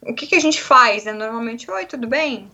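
A young Brazilian woman speaks in a Brazilian Portuguese accent, chatting freely as an interviewee and acting out quotes along the way. Her voice sits a little high, and the recording is somewhat muffled and lo-fi. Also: normal speed. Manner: chatty, animated storytelling with acted-out quotes. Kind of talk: casual conversational interview.

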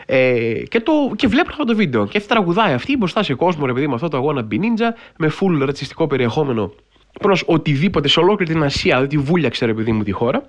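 A man hosting a podcast, talking casually and at length in an animated storytelling way, with wry, incredulous humor and lots of filler phrases. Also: mid-range voice. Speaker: podcast host.

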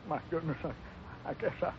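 An actor playing a talkative, boastful old cowhand from the American West in a 1950s radio Western, rambling in a folksy way. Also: male voice, fairly high pitch, a little slow, vocal fry. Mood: sheepish. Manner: rambling, folksy, chuckling talker. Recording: muffled, hissy 1950s radio recording.

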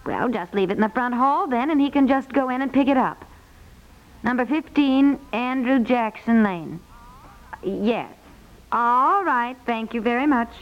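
A woman's voice: fairly high pitch, animated, a little slow. A woman playing a talkative, fussing wife and mother in a naturalistic 1950s radio comedy style. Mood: firm, businesslike. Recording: dull vintage 1950s radio recording.

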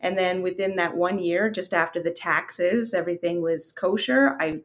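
A Canadian woman in her thirties, a real estate investor, appears as an interview guest and tells her career story casually and openly, with plenty of fillers. Her voice is lowish and her pace moderate.

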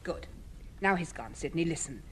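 Sly brisk lady, lively up-and-down voice. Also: deep voice, slightly rough. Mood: scheming. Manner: brisk, conspiratorial. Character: scheming, sharp-tongued woman of the house. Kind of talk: 1950s radio sitcom acting.

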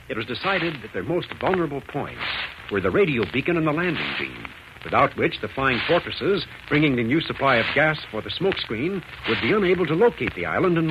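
Emphatic 1940s American radio announcer, muffled and noisy. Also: male voice, on the high side. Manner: earnest, emphatic salesmanship. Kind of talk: 1940s radio sponsor pitch and serial narration.

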